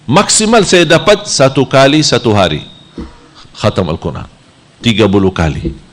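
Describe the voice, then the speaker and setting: When he plays out temptations, the pitch of this Saudi Arabian man jumps high; otherwise he preaches his lively sermon at a moderate pace.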